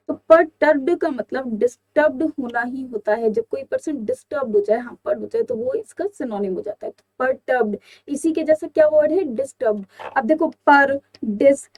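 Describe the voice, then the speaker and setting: Explaining vocabulary word by word for exam prep, a young Indian-accented woman keeps throwing rhetorical questions at her students. Her voice sits high and has a darkish tone, and her accent is Indian English.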